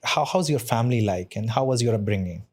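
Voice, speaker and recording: A man hosting an interview, asking questions in a halting, encouraging way. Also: medium pitch, lively intonation, a little mellow. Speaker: host. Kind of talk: interview host.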